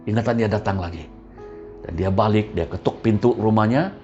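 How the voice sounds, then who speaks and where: A man's voice: lowish voice, moderate pace. A male pastor, preaching a storytelling sermon and acting out the voices of the people in his story. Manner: vivid storyteller who acts out the voices of his characters. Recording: muffled recording with soft music behind.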